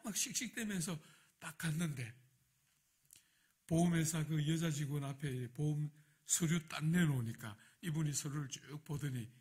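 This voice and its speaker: A man's voice: fairly high pitch, moderate pace, darkish tone. A man preaching a sermon as a pastor, telling a personal story and acting out his own prayers.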